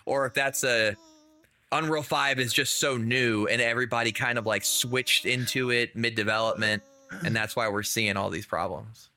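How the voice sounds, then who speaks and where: A man co-hosting a casual gaming podcast, hoarse and losing his voice from being sick, rambling through his points with lots of fillers. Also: mid-range voice, steady tone, normal speed, pushed and bright. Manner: rambling, filler-heavy, says y'all. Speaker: podcast co-host.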